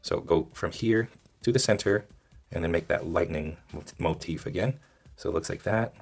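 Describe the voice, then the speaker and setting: Very deep, husky man teaching drawing. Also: moderate pace, faint music behind. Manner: informal, thinking aloud while demonstrating. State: hoarse, losing his voice. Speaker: drawing tutorial host. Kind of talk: casual step-by-step drawing instruction.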